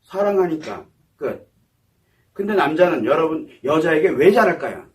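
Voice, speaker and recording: Animated man lecturing from a distance. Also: on the high side, moderate pace. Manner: asks the audience questions and answers them himself. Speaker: psychology lecturer. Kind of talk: lecture to an audience. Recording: voice somewhat far from the mic.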